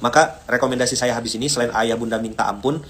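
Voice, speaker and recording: A man from Indonesia preaching informally to a group, animated and joking, often asking them to repeat his phrases. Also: medium pitch, quick pace, a little hiss or hum. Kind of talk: informal religious talk with a group.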